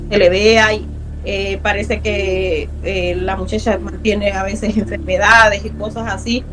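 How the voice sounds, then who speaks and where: A woman's voice: medium pitch, flat delivery, unhurried, fairly bright tone, faint music behind, low-quality recording. A middle-aged woman from Honduras, earnestly telling a personal story as a guest, repeating words for emphasis.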